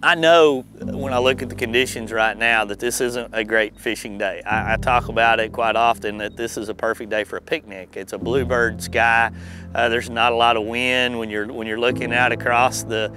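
A man's voice: medium pitch, steady tone, normal speed, background noise. A middle-aged man hosting a fishing show, giving casual, conversational commentary in a folksy way.

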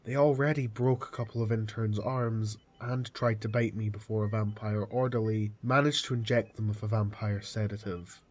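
A man playing a calm, formal hospital doctor in an audio drama, speaking in a measured, matter-of-fact way. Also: on the low side, lightly acted. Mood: firm, formal. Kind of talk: amateur audio drama acting.

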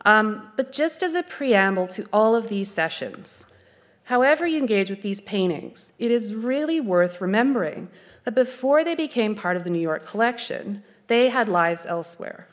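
A Canadian woman in her forties gives an earnest, well-spoken lecture on art history. She talks into a lectern mic at an even, middling pitch and chooses her words with care. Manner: measured, articulate, earnest. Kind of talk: formal lecture. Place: dark stage, indoors.

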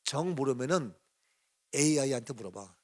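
A man's voice: medium pitch, animated, moderate pace, darkish tone. A middle-aged male pastor giving a casual early-morning sermon, chatty and teasing, sometimes rising to emphatic exclamations. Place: church sanctuary.

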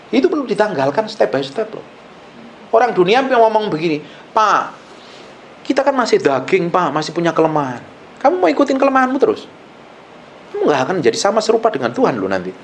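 A male pastor preaching a sermon in an animated way, swinging between loud and hushed and acting out the people he quotes. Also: high-pitched, slight background noise.

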